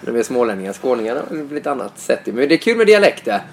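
A man's voice: mid-range voice, big pitch swings, creaky, slight background noise. A man from Småland with a Småland accent, hosting a casual podcast in a chatty manner. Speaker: podcast host.

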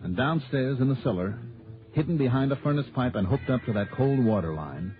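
An actor as a wry hard-boiled investigator. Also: male voice, medium pitch, animated, close to an everyday voice. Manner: brisk, wry, confident. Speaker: narrator and lead. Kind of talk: 1960s radio drama acting. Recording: tinny old radio with music.

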